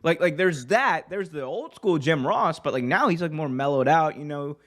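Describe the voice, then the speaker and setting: A man's voice: a little high, moderate pace. A man co-hosting a wrestling podcast, chatting casually and breaking into playful impressions, his voice a little strained. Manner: animated, breaks into mocking impressions. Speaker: podcast co-host.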